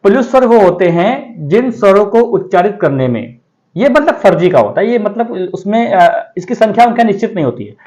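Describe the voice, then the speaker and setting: Male teacher, high voice, exam-prep lecture, keeps asking the class and answering himself. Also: very animated, moderate pace, a little mellow. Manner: asks the class questions and answers them himself, often adds "theek hai". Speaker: Hindi grammar teacher.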